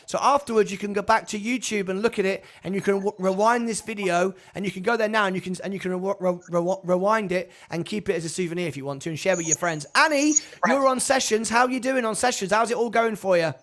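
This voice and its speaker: A man's voice: high voice, fast, few pauses, a bit bright. A man hosting a live call-in chat show, chatty, repeating himself and stumbling over his words. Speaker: show host. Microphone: video call.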